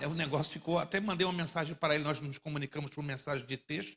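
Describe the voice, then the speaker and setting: The intonation is fairly even. It is a plain, everyday voice. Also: man. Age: 60s. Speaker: guest pastor. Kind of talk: sermon.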